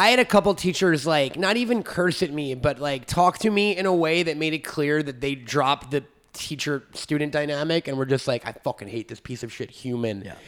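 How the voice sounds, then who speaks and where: At a fairly quick pace with hardly any pauses, a man uses a plain, everyday voice, his fairly high pitch rising and falling in lively intonation. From US Northeast, Long Island, New York. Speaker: podcast guest. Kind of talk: casual chat.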